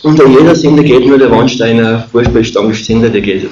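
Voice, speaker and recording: A middle-aged man with an Austrian or Bavarian accent tells a personal story informally, in a rambling, halting, colloquial way. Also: medium pitch. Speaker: speaker telling a personal testimony. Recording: muffled, echoey room with clear noise.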